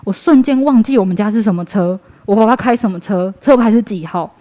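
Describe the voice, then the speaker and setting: A young woman with a Taiwanese Mandarin accent shares a personal testimony in church. She talks in an earnest, everyday way, full of fillers and quick restarts, at a middling pitch for a woman. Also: dark tone. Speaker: church member giving testimony.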